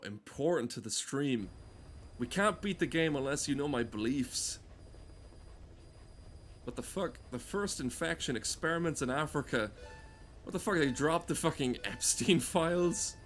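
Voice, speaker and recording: A man's voice: medium pitch, expressive, unhurried, a bit bright, a little hiss or hum. A man rambling casually as a game streamer, swearing often and ranting in a mock-earnest way. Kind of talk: casual rambling livestream commentary.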